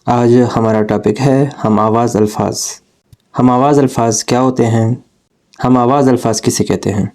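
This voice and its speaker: Slow, mellow-voiced man teaching grammar. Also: mid-range voice, steady tone. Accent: Pakistani Urdu. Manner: measured, deliberate explaining. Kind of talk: slow explanatory lesson.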